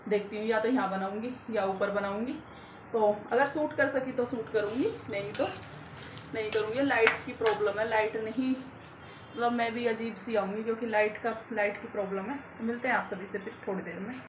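A woman with a fairly high voice chats to her viewers while she cooks, talking through every step in a loose, filler-heavy way. The home recording is echoey, with pots and dishes clattering behind her. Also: fairly even intonation, normal speed, noisy background. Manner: chatty, talks to viewers while cooking, frequent fillers. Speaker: vlogger. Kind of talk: casual cooking vlog narration. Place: home kitchen and rooftop.

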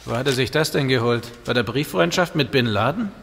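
An actor playing a flirtatious, smooth-talking police detective in an audio drama, with a flippant manner. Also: male voice, mid-range voice, lively intonation, fairly quick, fairly bright tone. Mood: flippant, curious. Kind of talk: German audio drama acting. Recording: reverberant sound with background noise.

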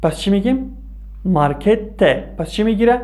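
A man's voice: high-pitched, expressive, a little mellow. A man from Afghanistan, a native Dari speaker, hosting a scripted language lesson and explaining patiently, asking questions and answering them himself. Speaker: language teacher and host.

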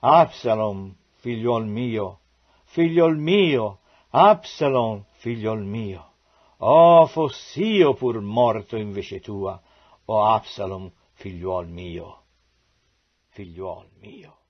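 A man voicing an aging king who mourns his son in a slow, breaking lament, in a dull lo-fi recording. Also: medium pitch, expressive. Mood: grieving.

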